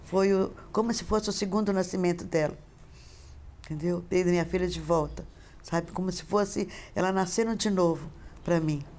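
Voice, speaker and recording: Gravelly-voiced mother telling her story. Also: fairly low pitch, normal speed, a little mellow. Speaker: interviewee, mother. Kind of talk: personal testimony interview.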